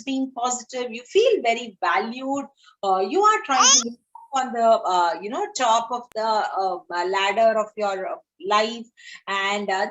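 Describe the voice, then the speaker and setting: A woman with a fairly high voice talks to children in an easygoing, encouraging way. Her speech is sprinkled with "uh" fillers and she checks in with a "right?" after her points. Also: a bit bright, rough recording. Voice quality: frequent "uh" fillers, tag questions "right?". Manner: encouraging, simple examples for kids. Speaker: dentist giving a motivational talk to children. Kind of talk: informal talk to children.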